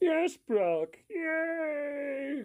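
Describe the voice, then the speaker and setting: Someone performs a put-on character voice pitched high. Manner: excited, cheerful.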